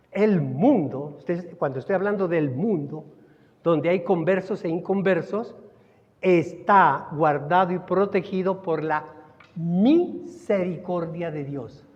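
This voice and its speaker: A man with a Colombian Spanish accent preaching a sermon as pastor, stretching some words slowly and then rising in sudden emphasis. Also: high voice, a little mellow. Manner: preaching with dramatic slowdowns and sudden rises. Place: church hall. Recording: dull recording in a reverberant hall.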